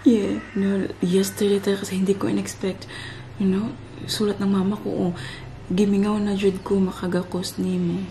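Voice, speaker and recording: Chatty mom vlogger, noisy background. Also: female voice, mid-range voice, level tone, normal speed, mellow. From Philippines. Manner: chatty, addresses viewers as "guys", laughs often. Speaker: family vlogger. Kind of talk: casual family vlog chat. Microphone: handheld vlogging camera or phone.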